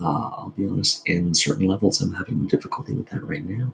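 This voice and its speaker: A soft-spoken man's voice swings very widely in pitch amid noticeable background noise. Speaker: entrepreneur vlogger. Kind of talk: casual vlog monologue. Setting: indoors at home. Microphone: laptop.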